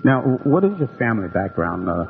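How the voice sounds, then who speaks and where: A man hosting a radio interview, stammering through restarts and backing the guest with soft affirmations. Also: medium pitch, big pitch swings, brisk, vocal fry. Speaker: radio host. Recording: tinny phone-like radio with long reverb and faint music.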